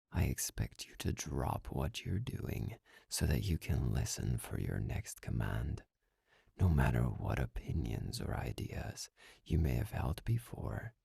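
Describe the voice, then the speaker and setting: Guy acting as a bossy smug master for asmr, super breathy n husky, dark close dry sound, mocking and slow, kinda whispery. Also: very deep voice, no room sound, exaggerated voice. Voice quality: breathy, gravelly, often dropping into whisper. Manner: slow, condescending, commanding. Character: arrogant, domineering young male master, cold and mocking. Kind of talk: intimate ASMR roleplay monologue.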